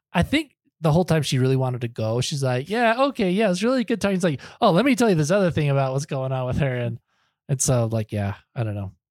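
In an American accent, a man talks at a very fast pace and fairly high pitch, with very wide pitch swings, on a very clean recording with a silent background. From California, Bay Area. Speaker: stand-up comedian. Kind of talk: casual chat.

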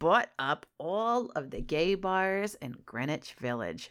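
A woman with an American accent talks at a medium pitch with very wide pitch swings. The recording is very clean, with a silent background. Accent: New York, stronger on NYC topics. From upstate New York. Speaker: podcast host, former funeral director. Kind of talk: casual chat on history and politics.

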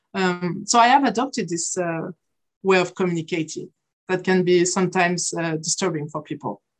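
With a French accent, a woman of fairly low pitch speaks at a fairly quick pace and ordinary pitch variation. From France, Paris. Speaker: pharmaceutical executive. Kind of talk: interview. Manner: halting.

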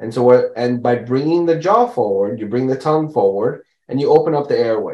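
At a fairly quick pace, a man speaks at a medium pitch in a plain, everyday voice. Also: ordinary pitch variation. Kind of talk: casual interview chat.

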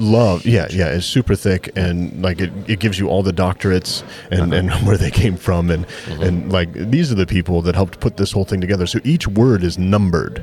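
Against noticeable background noise, a man with an American accent and a very deep, low pitch talks at a fairly quick pace, with very even loudness and ordinary pitch variation. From Montana. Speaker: podcast co-host, Army veteran. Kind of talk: casual chat.

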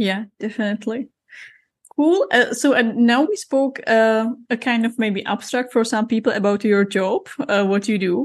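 Here is a woman with an ordinary speaking voice. Her pitch sits fairly high and varies in an ordinary way. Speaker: podcast host. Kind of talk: interview conversation.

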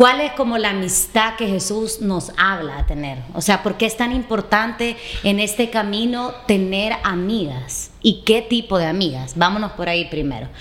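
Over noticeable background noise, a woman with a Salvadoran accent speaks at a fairly slow pace and medium pitch, with lively intonation. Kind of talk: casual faith-based chat.

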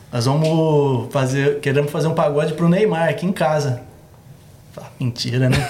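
Through audible room echo and noticeable background noise, a man talks at a moderate pace with a fairly high pitch and ordinary pitch variation. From Americana, São Paulo state, Brazil. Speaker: pagode musician. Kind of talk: casual chat.

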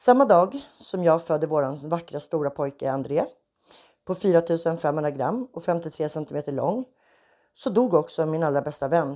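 A woman speaks at a fairly slow pace in a fairly low pitch with a dark, mellow tone, on a very clean recording with a silent background. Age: 40s. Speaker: podcast guest sharing personal story. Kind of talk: personal testimony.

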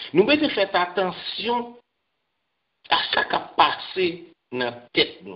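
A man with a Haitian accent speaks very slowly in a high voice, with long, frequent pauses. His pitch swings very widely and his loudness swings a lot. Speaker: pastor. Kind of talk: sermon. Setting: church broadcast on radio.

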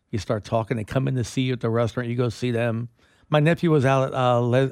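Recorded very cleanly against a silent background, a man at medium pitch speaks with an American accent in a dry, close sound with no echo. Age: 60s. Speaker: restaurant owner and chef. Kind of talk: radio interview. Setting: studio. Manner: animated.

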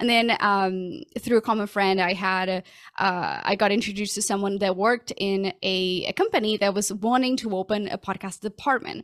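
Recorded very cleanly against a silent background, a woman speaks at a moderate pace with hardly any pauses, her medium pitch carrying fairly even intonation. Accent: Portuguese. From Portugal. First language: Portuguese. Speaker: podcast consultant. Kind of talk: casual interview.

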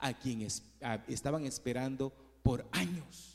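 A man with an unremarkable speaking voice talks at medium pitch. His pace is fairly slow, and his pitch varies in an ordinary way. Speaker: pastor. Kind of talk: sermon with scripture reading, prayer and baptism. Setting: church. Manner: earnest preacher, repeats key points and asks '¿verdad?' often.

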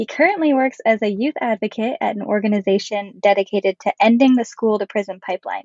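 Her voice sits fairly high, and she rattles along very fast. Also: ordinary pitch variation, hardly any pauses. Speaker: podcast co-host. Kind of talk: casual podcast interview.

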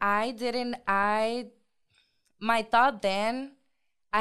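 On a very clean recording with a silent background, a woman with a Spanish accent speaks in a fairly high, bright, sharp voice with long, frequent pauses. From Puerto Rico. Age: young. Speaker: guest sharing personal weight-loss story. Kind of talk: personal testimony in interview.

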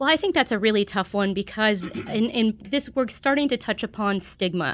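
A normal speaking voice with ordinary pitch variation, on a very clean recording with a silent background. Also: woman. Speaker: behavioral health specialist. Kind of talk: interview.

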